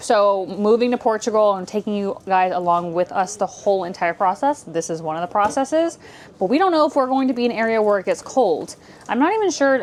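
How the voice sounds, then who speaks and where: At a fairly quick pace, a woman speaks with lively intonation and a fairly high pitch. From Florida. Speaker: family vlogger. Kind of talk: casual vlog talk. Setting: in an RV. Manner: fast.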